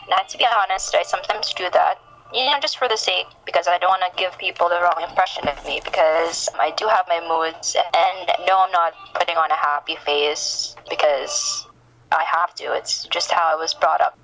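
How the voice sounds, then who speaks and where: A woman being interviewed as a podcast guest, speaking conversationally in a polite, reflective, measured way. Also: lowish voice, steady tone, a bit bright, slight background noise, poor audio.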